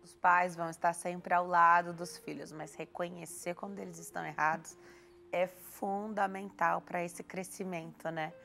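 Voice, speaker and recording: A woman hosting a studio talk show, chatting easily with her guest. Her pitch sits in the middle, and her speech rises and falls freely with many tag questions. Soft music plays faintly under her voice. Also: level tone, moderate pace, creaky. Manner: conversational, warm advice-giving, frequent tag questions. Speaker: TV health show host.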